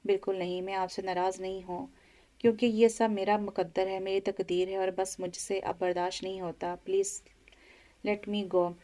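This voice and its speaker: A woman's voice: mid-range voice, level tone, moderate pace, warm tone, lightly acted. A woman voicing a heartbroken young wife in an audio novel, pleading in a tearful way.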